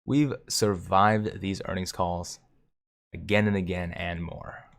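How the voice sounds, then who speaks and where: A man hosting a live stream, commenting on stock charts and reading viewer comments aloud with excitement. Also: deep voice, takes it slowly. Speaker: livestream host.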